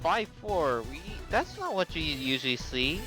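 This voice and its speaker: Male color commentator, high pitch, excitable and casual, music bed audible. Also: measured pace. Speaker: esports co-commentator. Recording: music playing clearly behind.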